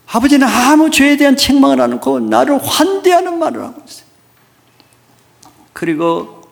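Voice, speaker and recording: A male pastor delivers a sermon in a storytelling way, often turning to his listeners with questions. His voice sits a little high for a man and carries a gravelly fry. He speaks in an even, explanatory way.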